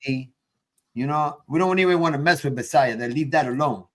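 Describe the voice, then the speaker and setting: A man in his late fifties with a slightly raised pitch, hosting in a laid-back way. He drops hype interjections and friendly shout-outs between his stories. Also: a little fast. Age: 50s. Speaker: podcast host. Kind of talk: casual podcast chat.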